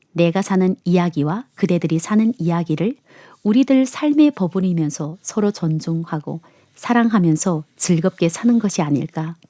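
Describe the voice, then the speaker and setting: A woman's voice: lowish voice, mellow, no room sound. A woman presenting a radio program, reading listener letters and chatting in the studio.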